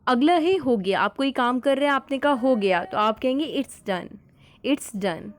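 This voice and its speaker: A woman teaching English phrases, repeating each phrase slowly and explaining step by step. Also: sits high, animated. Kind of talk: spoken English lesson.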